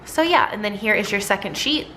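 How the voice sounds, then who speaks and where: A woman talking casually through her new sticker designs, chatty and rambling, with a slightly hoarse voice. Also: medium pitch, lively intonation, a little fast, sharp tone, slight background noise. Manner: chatty, rambling, many ums and likes. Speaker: sticker shop owner and designer. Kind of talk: casual product walkthrough.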